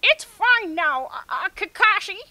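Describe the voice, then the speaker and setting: A young pregnant wife in a very high, piercing voice. She pleads and whines with a cutesy stammer, swooping around in a mocking storybook reading. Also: sing-song, a little slow, sharp tone, exaggerated voice. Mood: pleading. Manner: stammering, exaggerated squeaky cutesy delivery. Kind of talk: mocking dramatic reading of fan fiction.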